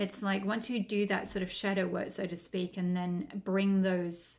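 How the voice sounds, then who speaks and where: A woman with a plain, everyday voice of medium pitch speaks at a fairly slow pace. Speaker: tarot reader and holistic healer. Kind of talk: tarot reading channelled message.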